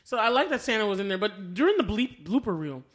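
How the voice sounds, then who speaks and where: An American woman speaks very quickly in a casual, chatty film review. She is an animated co-host who slips into quoted reactions as she tells a story. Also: medium pitch. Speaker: podcast co-host.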